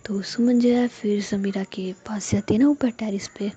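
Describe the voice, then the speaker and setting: A woman's voice: mid-range voice, steady tone, normal speed, mellow, slightly rough, dull audio. A woman narrating a love story in a casual, conversational way with frequent fillers.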